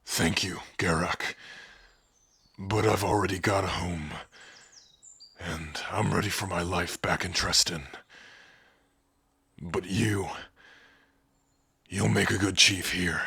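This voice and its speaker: A man voicing an honorable young male orc warrior in a fantasy audio roleplay, earnest and measured. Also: low-pitched, fairly even intonation, gravelly, sharp tone, breathy edge, full character voice. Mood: soft, grateful.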